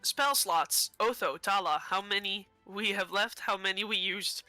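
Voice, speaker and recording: A man playing in a tabletop game, chatting casually and jumping in with quick questions. His voice is high and very bright, with a dry, close sound and faint music behind it. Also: no room sound, poor audio. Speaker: player.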